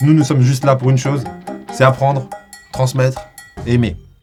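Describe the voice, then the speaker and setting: Music plays in the background as a man with a fairly high pitch talks at a very fast pace. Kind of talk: casual talk to camera.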